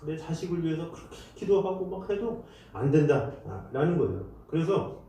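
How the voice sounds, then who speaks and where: A male pastor preaching a Sunday sermon, his pitch swinging widely as he acts out desperate prayers and cries. His voice is mellow and fairly high for a man. It rings through a very echoey church hall, picked up from a distant mic. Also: big pitch swings, normal speed. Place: church sanctuary.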